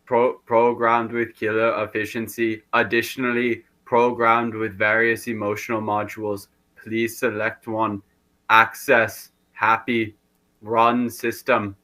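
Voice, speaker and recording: A man playing a malfunctioning male cyborg assistant who stutters and repeats syllables like a rusty robot, in a stiff deadpan monotone. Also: on the low side, unhurried, pitched above the performer's own voice. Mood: robotic. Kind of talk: comedy sketch role-play.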